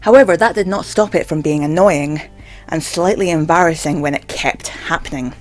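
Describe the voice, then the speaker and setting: A video blogger with a stammer rambles casually to the camera, hesitant and constantly saying "like." The voice is medium in pitch and moves at a normal speed, with faint music in the background.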